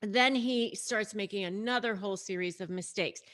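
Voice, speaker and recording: Talking straight to her audience, a host and coach who advises on narcissists recounts a story in casual, explanatory commentary to camera. Her delivery is conversational and emphatic, at normal speed, in a mid-range voice with a fairly bright tone.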